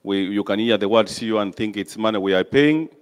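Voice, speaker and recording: A man chairing a meeting, introducing speakers in a lively, announcing manner. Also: lowish voice, quick pace, smooth. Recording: echoey hall.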